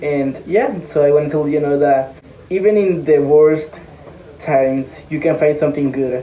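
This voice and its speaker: With audible room echo, a man with a non-native accent talks at a moderate pace in a fairly high pitch. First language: not English. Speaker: skater sharing a personal story. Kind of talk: personal testimony video message. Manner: halting, many fillers.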